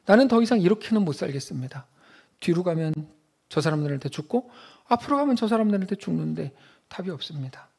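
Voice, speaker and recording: Pastor voicing a broken, begging man from scripture; quiet and low. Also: animated, fast, creaky, breathy edge, heavily acted. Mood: pleading. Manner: hushed, lower and softer than his preaching. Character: desperate biblical patriarch man pleading.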